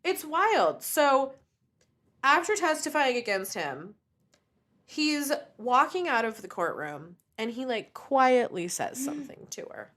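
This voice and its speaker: A young woman co-hosting a casual podcast, telling a story with lots of swearing and lively asides. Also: sits high, slow pace. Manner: animated storytelling, frequent swearing. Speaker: podcast co-host. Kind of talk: casual true crime podcast chat.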